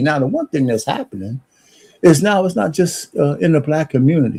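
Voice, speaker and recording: A man with an American accent talks with lively intonation at a fairly high pitch, his tone dark and mellow and somewhat breathy. The recording is very clean, with a silent background. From New York. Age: 60s. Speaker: podcast host. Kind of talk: opinion monologue. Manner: animated.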